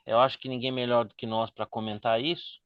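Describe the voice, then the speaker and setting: A man hosts a panel discussion in a middle-pitched voice. The sound is dry and a bit dull. He hesitates and restarts often before putting his questions to the guests. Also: level tone, a little fast, clean tone, no echo. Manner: hesitant, many restarts, then leading questions. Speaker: host.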